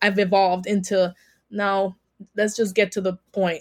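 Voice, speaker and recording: On a very clean recording with a silent background, a woman with a Dominican accent speaks at a moderate pace in a medium pitch, the sound dry and close with no echo. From Dominican Republic. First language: Spanish. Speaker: Spanish teacher. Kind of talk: casual interview. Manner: animated, laughs often.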